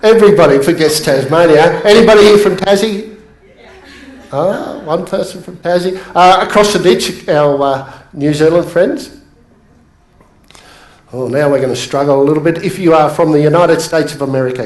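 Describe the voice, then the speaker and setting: An Australian man giving an energetic, jokey motivational seminar talk, addressing the crowd. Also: on the high side, moderate pace. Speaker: motivational speaker. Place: large seminar room. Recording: echoey room.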